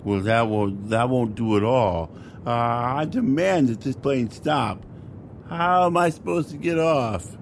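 An actor playing a drunk, dim-witted airline passenger who stammers and repeats himself in a comic radio play. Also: male voice, mid-range voice, measured pace, a little hiss or hum, close to an everyday voice. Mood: befuddled.

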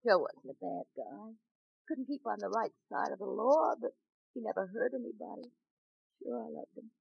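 An actress playing a grieving woman whose man was killed, soft and tearful, in a 1940s-style radio drama. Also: medium pitch, moderate pace, gravelly, husky, no echo. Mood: sorrowful. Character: sorrowful woman, dead crook's sweetheart. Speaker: grieving girlfriend of a murdered man. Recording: dry muffled old radio recording.

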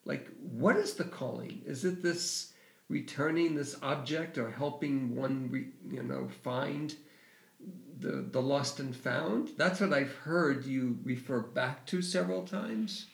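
Effusive man, gravelly, echoey room. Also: medium pitch, slow pace. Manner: effusive, enthusiastic. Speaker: host. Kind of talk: podcast interview.

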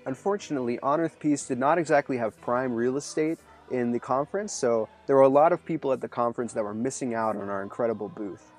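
A man's voice: medium pitch, quick pace, hardly any pauses, faint music behind. A man narrating a scripted report about a faith-based justice conference. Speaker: video host and interviewer.

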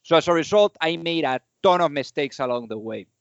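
A man's voice: a little high, animated, fairly quick, no room sound, muffled recording. A man reading a scripted promo as a podcast host.

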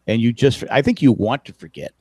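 A man's voice: medium pitch, animated, fairly quick, a little mellow, slightly rough, no echo. A man in his fifties co-hosting a casual chat, rambling and correcting himself as he talks. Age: 50s. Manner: rambling, self-correcting, wry about aging. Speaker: podcast co-host.

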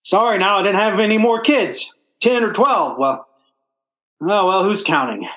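A man's voice: high voice, expressive, a little slow, a bit bright, echoey room. An actor playing a blustering, self-pitying working-class father in old-time radio comedy style, with stammering, folksy, ungrammatical speech. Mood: bitter.

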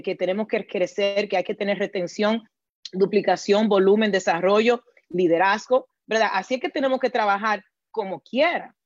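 A woman's voice: medium pitch, no room sound, highs cut off. A woman with a Dominican accent answering interview questions as a team coach, earnest and repetitive, mixing in English words. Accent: Dominican Spanish. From Dominican Republic.

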